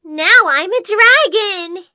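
A playful young cartoon dragon voice, high and very animated. It answers like a children's voice assistant, deliberate and unhurried, with a bright edge. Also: female voice, no echo, studio quality, exaggerated voice. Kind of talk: voice assistant character replies for children.

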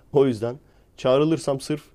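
A man's voice: medium pitch, mellow. A young man ranting in a casual, sarcastic and mocking way, using slang. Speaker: YouTuber.

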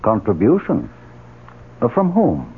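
An actor playing a proud, theatrical leader of a fire cult in a radio drama, haughty, formal and declamatory. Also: male voice, mid-range voice, wildly swooping pitch, slow, slightly rough, heavily acted. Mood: cool, imperious. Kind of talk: 1970s radio drama acting. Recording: tinny, narrow-band old radio recording, faint hiss.

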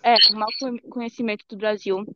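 A woman's voice: mid-range voice, steady tone, fairly quick, muffled recording, very noisy. A teenage girl with a Bahian Brazilian accent, chatting casually as an interview guest and searching a little for her words. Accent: Bahian Brazilian Portuguese. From Brazil and Germany. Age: young teenager, fourteen.

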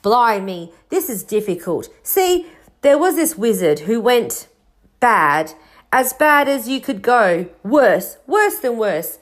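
A woman voicing a big, gruff, kind-hearted man with fiery feeling and folksy, rambling, colloquial speech in a storybook reading. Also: fairly high pitch, big pitch swings, slow, voice pushed up. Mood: hesitant, uneasy.

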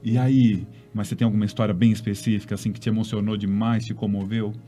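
A man's voice: lowish voice, flat delivery, fast, dark tone, faint music behind. A man hosting a casual panel chat, asking friendly questions. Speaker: host.

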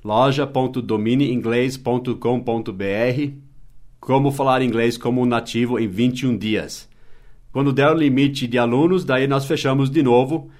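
A man's voice: medium pitch, steady tone, normal speed, a little mellow. A man raised in Brazil with English as his first language, hosting a casual mini-podcast lesson. He explains patiently and drops short English example phrases into his explanations. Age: adult, past his teens. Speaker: English teacher, podcast host.

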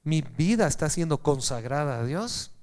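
A man preaching a sermon to a congregation, animated and joking, swinging from loud calls to hushed lines. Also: fairly high pitch, moderate pace.

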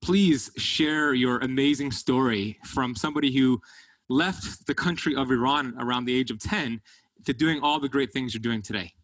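A man hosting a podcast interview in an effusive, excited manner. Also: medium pitch, moderate pace, no room sound, rough recording. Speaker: podcast host.

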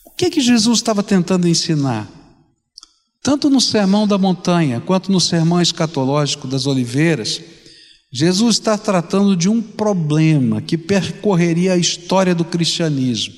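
A man's voice: high-pitched, very animated, normal speed. An older Brazilian man preaching a fervent sermon to his congregation, often asking them direct questions. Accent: Brazilian Portuguese. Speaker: pastor. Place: large church sanctuary. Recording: long reverb of a large church hall.

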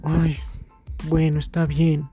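A woman's voice: deep voice, little pitch movement, dark tone, soft background music, pitched above the performer's own voice. A woman voicing a vain, materialistic young woman who whines and sighs in a sketch. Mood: whiny, sweet. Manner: whiny, drawn-out sighs of "ay, mi amor".

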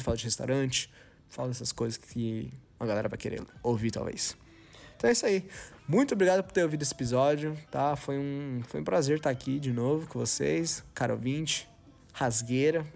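A young man from Brazil hosts a podcast and tells a work story in loose, slangy talk. He acts out the voices of the people in his story and restarts his sentences a lot. His voice sits a little high for a man, and faint music plays behind him. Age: 20s. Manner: slangy, animated, acts out quoted dialogue with many restarts. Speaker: podcast host. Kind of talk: casual storytelling monologue.

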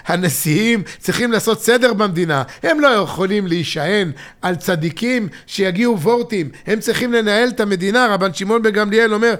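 A middle-aged man co-hosting a podcast as a father, teaching religious texts in an expressive way that swings from emphatic to hushed and intimate. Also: high voice.

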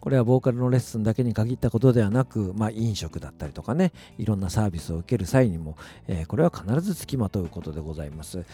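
A man's voice: on the low side, animated, quick pace, few pauses, warm tone, husky, soft background music. A man giving a chatty solo radio-style talk in very polite, formal phrasing, with a self-deprecating manner. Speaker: radio-style talk host, music producer and voice coach.

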